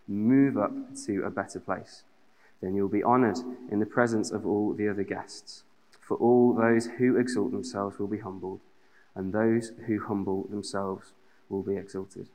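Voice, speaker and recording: A young man with a Black Country accent from the West Midlands, reading scripture and then telling chatty, self-deprecating stories in a sermon. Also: on the low side. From West Midlands, England. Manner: chatty, self-deprecating humour with many fillers. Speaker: preacher. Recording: long hall reverb.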